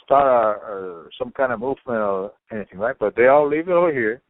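A man from Cuba, talking in animated casual chat, swearing freely and using many fillers. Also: mid-range voice, fairly quick, dry recording. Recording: tinny phone-like line.

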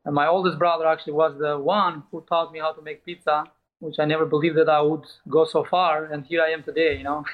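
Middle-aged albanian guy being interviewed, highish voice, says you know a lot, casual. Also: little pitch movement, fast talker, phone-quality sound. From Albania and Italy. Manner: frequent "you know" asides, non-native phrasing. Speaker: guest, pizzeria owner and chef.

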